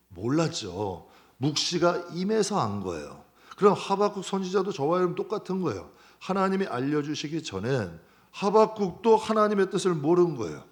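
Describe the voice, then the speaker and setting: A male pastor preaching with a voice pitched a little high for a man and very lively, sweeping up and down. He questions his listeners and answers himself, stretches out lists word by word, and shifts between hushed low phrases and loud fervent passages. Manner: asks the congregation questions and answers them himself; swings from quiet low lines to loud impassioned stretches. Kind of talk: sermon.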